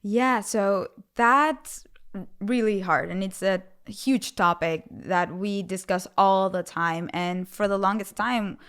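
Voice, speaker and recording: A woman's voice: medium pitch, slow, smooth. A woman in her thirties, a guest in a casual interview, talking animatedly and acting out what other people say. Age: 30s. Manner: animated, acts out quoted voices. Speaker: guest speaker.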